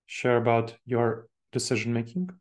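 A man in his forties speaks with an Eastern European accent, in a chatty, engaged way, and laughs easily. His voice has a plain, mid-range pitch. He is on a video call from a home office, using earbuds as his mic. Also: normal speed. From Moldova. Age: 40s. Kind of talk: online presentation to professionals. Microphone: webcam video call with earbuds.

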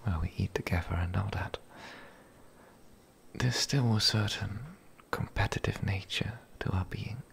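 A man playing a lonely, gentle, shy young werewolf in a whispered ASMR roleplay, speaking breathily, softly and haltingly. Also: slight background noise. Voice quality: breathy whisper, low and creaky. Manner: hesitant, halting, soft-spoken.

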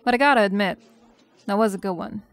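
A woman playing a tough, guarded, proud high school bad girl in dubbed musical film dialogue, clipped and dry. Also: fast talker, no echo, lightly acted.

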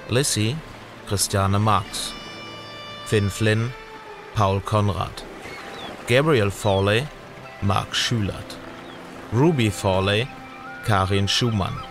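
A man announcing scripted cast credits for an audio drama, name by name. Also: fairly low pitch.

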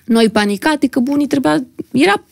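Young woman guest on a podcast, highish voice, bit of fry, telling a story all dramatic, dry close mic. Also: dry recording. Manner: vivid, dramatic retelling, acting out what others said. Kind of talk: emotional personal storytelling in conversation. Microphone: podcast studio microphone.

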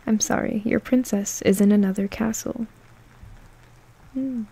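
Woman, ASMR host, gentle whispers, giggly, slow and flat delivery. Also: medium pitch, vocal fry, slightly rough. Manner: giggly and playful, drifting into whispers. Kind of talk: soft-spoken ASMR meme reading.

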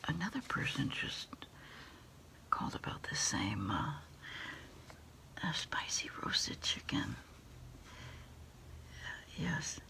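A middle-aged woman doing a quiet ASMR roleplay as an order taker on the phone, speaking in halting, unhurried whispers. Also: very deep voice, very animated, creaky. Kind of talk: ASMR roleplay, one side of a phone call. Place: small dim desk space indoors.

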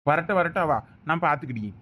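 A man's voice: on the high side, lively intonation, fast talker, a bit bright. A man with a Thoothukudi Tamil accent playing an anxious village husband who grumbles impatiently. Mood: grumbling. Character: anxious village husband waiting for his wife. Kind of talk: village drama acting.

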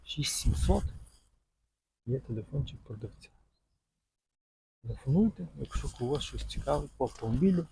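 A man's voice: medium pitch, lively intonation, moderate pace, vocal fry, pauses often, mellow, slight background noise, low-quality recording. A man casually showing cars for sale at an outdoor market, chatting in a loose, rambling way with lots of fond little words. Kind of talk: casual walk-around commentary.

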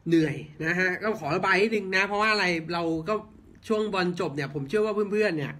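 A man's voice: sits high, quick pace, pushed and bright. A man ranting blunt football commentary, heated and swearing, firing off rhetorical questions. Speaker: football fan channel host.

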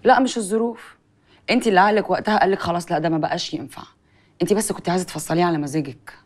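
A woman's voice: on the low side, rapid-fire, close to an everyday voice. An actress playing a stern woman who scolds and lectures her relatives with an Egyptian accent. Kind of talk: TV drama acting. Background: music.

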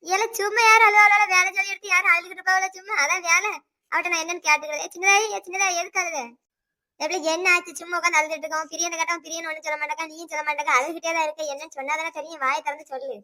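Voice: very high voice, steady tone, pushed and bright, full character voice. A performer doing a bossy village auntie, Tirunelveli accent. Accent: Tirunelveli Tamil. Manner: lecturing, rapid-fire. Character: scolding older village woman neighbor. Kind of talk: cartoon voice acting.

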